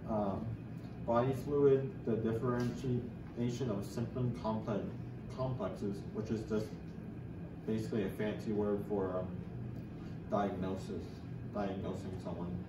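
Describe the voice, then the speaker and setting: Against loud background noise, a man talks at a fairly slow pace with long, frequent pauses. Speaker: student presenter. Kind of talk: class presentation. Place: classroom. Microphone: camera far.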